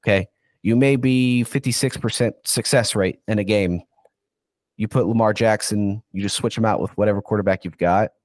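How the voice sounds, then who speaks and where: A man's voice: lowish voice, no room sound. Stuffy-nosed man ranting about football. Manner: rambling, goes on rants, says "dude". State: stuffy, congested from illness. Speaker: football insider guest. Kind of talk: casual podcast chat.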